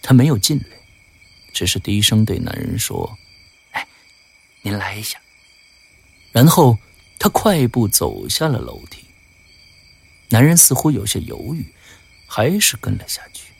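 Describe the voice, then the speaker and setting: A man narrating a suspenseful story in a slow, hushed way. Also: mid-range voice, huge pitch swings, vocal fry, husky.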